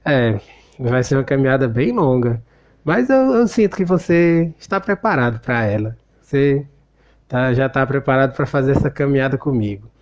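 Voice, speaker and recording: A Brazilian man voicing a calm, serious older male mentor in a measured way, with a Brazilian Portuguese accent. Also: medium pitch, highs cut off, close to an everyday voice.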